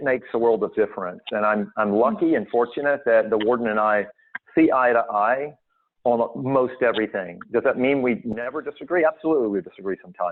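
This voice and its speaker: A man's very fast, medium-pitched speech in an American accent with ordinary pitch variation. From US South, Mobile, Alabama. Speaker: prison healthcare executive. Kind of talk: interview.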